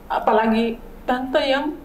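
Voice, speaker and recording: A woman's voice: high voice, slow pace, slight background noise, rough recording. A woman in her fifties, a grieving mother, giving an earnest faith testimony in an interview and repeating key phrases for emphasis. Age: 50s. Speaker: bereaved mother, guest.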